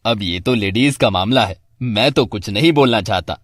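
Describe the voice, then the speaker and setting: A woman voicing a calm older man of the house who stays out of family quarrels. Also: rumbling low, normal speed, no room sound, clean studio sound, voice pushed down.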